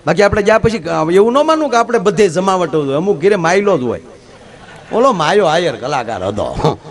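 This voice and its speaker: High-voiced folk storyteller man. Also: sing-song, fairly quick. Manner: storytelling, acting out dialogue, turns preachy and rousing. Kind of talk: stage folk humor with a moral talk.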